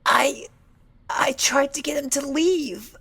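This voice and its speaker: A woman voicing a timid, traumatized female cartoon pony in a fan fiction audio drama, speaking in a halting, tearful way. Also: high voice, fairly bright tone, dry recording, exaggerated voice. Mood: shaken, hesitant. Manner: halting, hesitant, tearful delivery.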